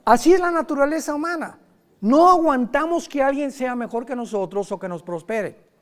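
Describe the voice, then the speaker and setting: A man preaching a sermon in a lively, conversational way, with sudden loud emphasis and quick asides. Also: very high-pitched.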